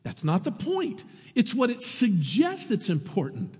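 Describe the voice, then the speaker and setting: Male pastor, high lively voice, husky tone, long reverb, sermon in a large church hall. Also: a little slow. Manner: animated preaching with asides and quoted voices.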